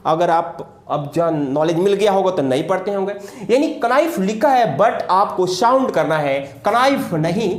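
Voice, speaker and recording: Man, grammar teacher, emphatic drilling, very animated pitch, roomy echo. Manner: emphatic, drills examples with sharp rises and drops; repeats words slowly for emphasis. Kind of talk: classroom-style video lesson.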